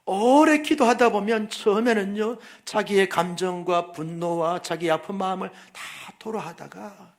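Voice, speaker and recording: A man with a fairly high voice preaches a heartfelt sermon as a pastor. He repeats his words for weight, building to loud emphasis and then dropping to a near whisper.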